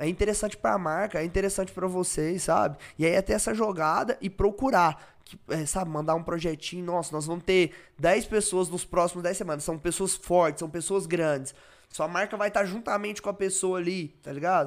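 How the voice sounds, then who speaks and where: The man speaks at a fairly quick pace. His pitch is high, with ordinary variation. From Minas Gerais, Araxá. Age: 20s. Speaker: reality show contestant and influencer. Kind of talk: casual chat.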